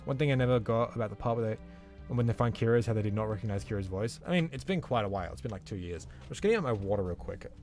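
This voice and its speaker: Male streamer, lowish voice, relaxed chat, faint game music. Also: very fast. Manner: laid-back, reads viewer comments aloud. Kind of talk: casual live-stream chat while gaming.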